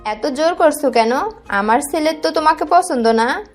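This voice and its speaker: A woman voices a stern middle-aged mother guarding her home's dignity in an audio love story. Her voice is high and her tone is scolding but composed. Faint music sits behind her. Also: expressive, normal speed.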